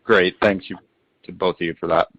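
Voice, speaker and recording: A man's voice: low-pitched, fairly even intonation, a little fast. A man asking follow-up questions as a financial analyst on an earnings call. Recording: echoey, slightly dull phone line.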